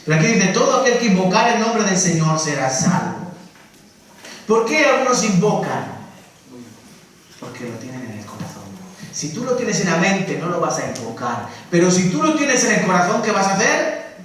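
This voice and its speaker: A man preaching a Sunday sermon in a lively way, dropping to soft asides and rising to loud calls, acting out quotes. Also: high voice, normal speed. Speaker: pastor. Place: church hall. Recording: echoey church room from far off.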